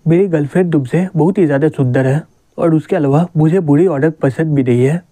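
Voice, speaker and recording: A man voicing a cheeky teenage schoolboy with x-ray vision who is quick to talk back, in a manga recap. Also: on the high side, mellow, no room sound, lightly acted.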